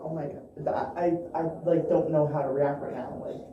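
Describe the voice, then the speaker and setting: A woman playing an excitable, eager internet sleuth with an emphatic manner in found-footage style. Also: deep voice, normal speed, recorded from a distance, muffled recording, lightly acted. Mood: overwhelmed. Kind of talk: improvised found-footage acting. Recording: echoey, noisy room, off the microphone.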